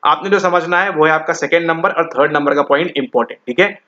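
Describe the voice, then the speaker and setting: Man lecturing, higher voice, dull sound. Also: quick pace, bright, forceful tone. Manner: explanatory, repeats "ठीक है?" to check understanding. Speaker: teacher. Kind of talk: exam-prep lecture.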